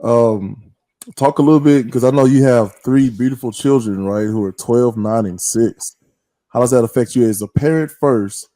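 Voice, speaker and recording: A man hosting a casual interview, asking teasing, animated questions. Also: mid-range voice, normal speed, no room sound. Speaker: podcast host.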